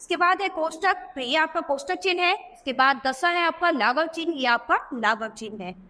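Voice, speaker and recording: High bright woman teaching children. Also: moderate pace, big-room sound. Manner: explaining patiently, often checking in with the class. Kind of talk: grammar lesson for children.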